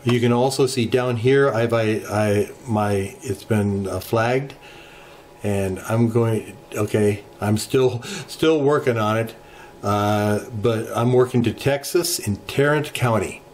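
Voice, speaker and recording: A middle-aged man hosting a ham radio channel, walking through software settings in an unhurried tutorial with many filler pauses, recorded at a desk in his home radio room. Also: lowish voice, a little hiss or hum. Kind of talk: screen-share software tutorial. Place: home radio shack, indoors.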